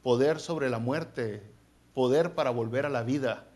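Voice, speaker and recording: A man preaching a sermon as pastor, animated, with playful asides and mock voices. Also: mid-range voice, a little slow.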